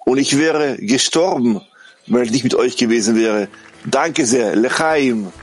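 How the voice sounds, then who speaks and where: Slow, halting man interpreting. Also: mid-range voice, soft background music. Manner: halting, self-correcting delivery.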